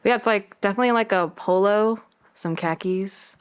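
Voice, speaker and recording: A woman's voice: medium pitch, fairly quick, smooth. A young woman from Alabama, a podcast guest with a neutral accent, chatting with a lot of likes. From Alabama, United States. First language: Korean. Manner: chatty, storytelling with many likes. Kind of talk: casual chat.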